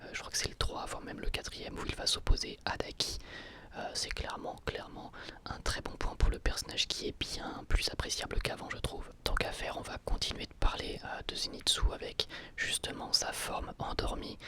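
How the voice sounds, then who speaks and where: A person giving a casual ASMR review in a soft, breathy, unvoiced whisper, hesitating and repeating words. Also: fairly quick.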